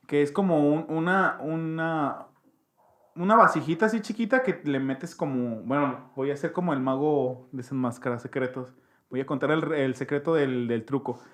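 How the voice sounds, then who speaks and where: A young man with a Mexican accent tells a childhood story in casual, slangy chat, jumping into voices to mimic people. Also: fairly high pitch.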